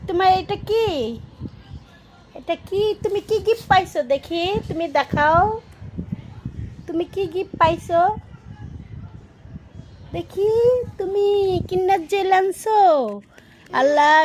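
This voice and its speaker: A woman's voice: very high voice, slight background noise. A young woman, a mother chatting and coaxing her toddler in a home vlog. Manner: chatty, coaxing questions to a small child. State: hoarse.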